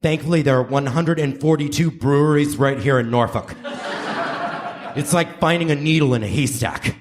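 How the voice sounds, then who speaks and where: A man's voice: fairly high pitch, normal speed, natural voice. A man playing a desperate, earnest inventor in a hammy live radio play. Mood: hurried, earnest. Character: desperate, earnest male inventor racing against time. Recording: noisy live stage recording.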